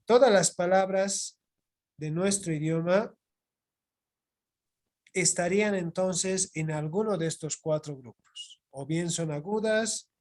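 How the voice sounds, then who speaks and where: Bolivian male teacher, high-pitched, slow and repetitive, online class on a computer mic. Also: a little mellow. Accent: Bolivian Spanish. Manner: slow, repetitive explaining with checking "¿ya?". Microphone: computer mic on video call.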